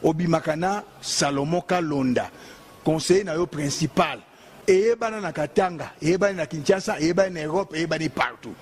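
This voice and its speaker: A man's voice: on the high side, normal speed. A man with a Congolese accent, a bishop giving a heated, emphatic, repetitive political monologue.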